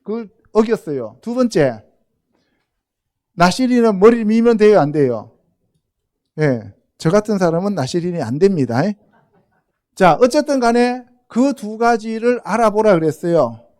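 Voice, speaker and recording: A man's voice: high-pitched, animated, a little slow, long pauses, a little mellow. A man preaching a Sunday sermon as pastor, often asking the congregation rhetorical questions and calling on them directly. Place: church sanctuary.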